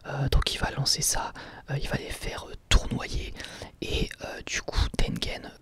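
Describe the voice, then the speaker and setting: A man whispering an informal, hesitant ASMR-style review. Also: measured pace. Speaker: ASMR YouTuber reviewing anime.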